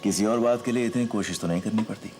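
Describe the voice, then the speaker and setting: A man's voice: on the low side, darkish tone, soft background music, natural voice. An actor playing a hesitant young man confessing his love, in a TV serial drama. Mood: tender, hesitant. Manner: halting, tender.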